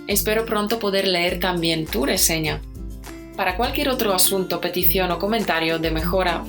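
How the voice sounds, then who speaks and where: A woman with a Spanish accent from Spain, hosting a language-learning podcast and explaining things clearly and slowly. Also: fairly low pitch. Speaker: Spanish teacher and podcast host.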